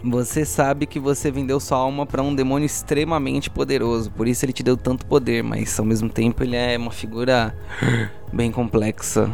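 A man's voice: mid-range voice, level tone, moderate pace, vocal fry, a little mellow, soft background music. A man acting as game master, improvising narration for a tabletop audio drama.

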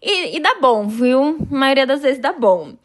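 A woman with a Brazilian Portuguese accent leaving a casual voice message. Her voice sits a little high, and she chats with enthusiasm as a fan of the show. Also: big pitch swings, unhurried. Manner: chatty, enthusiastic.

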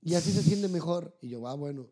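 A man's voice: on the high side, a little fast, slightly rough. A young man with a Mexican Spanish accent, telling personal stories in a casual podcast chat and acting out other people's lines. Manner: animated storyteller who acts out voices.

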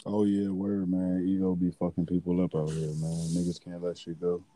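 A man's voice: sits low, completely flat delivery, moderate pace, dark tone. A man with an African American English accent chatting casually as a podcast co-host, slangy and profane, chiming in on a friend. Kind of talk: casual chat.

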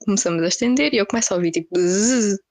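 A young woman with a European Portuguese accent, casually telling friends a story in slangy, animated style with acted-out quotes. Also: mid-range voice, rapid-fire, dry recording.

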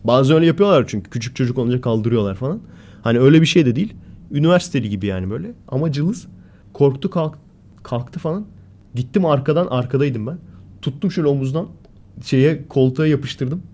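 A man co-hosting a casual podcast chat, telling stories animatedly and acting out the loud lines of the people in them. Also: mid-range voice, fast. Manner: animated storyteller, acts out quoted shouting. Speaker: podcast co-host.

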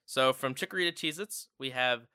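A man hosting a casual podcast discussion, ranting in an animated, exasperated way with lots of "like" fillers. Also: mid-range voice, a little fast, smooth, no echo, clean studio sound. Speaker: podcast host.

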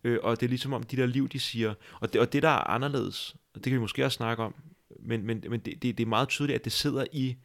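Man, podcast host, gravelly voice, thoughtful, halting restarts. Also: medium pitch, fairly even intonation, fairly bright tone. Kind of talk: reflective conversation.

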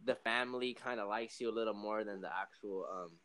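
A man's voice: lowish voice, fairly even intonation, a little fast, sharp tone. A young man runs a casual interview in a slangy, playful way. He laughs easily and teases his guest. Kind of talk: casual chat.

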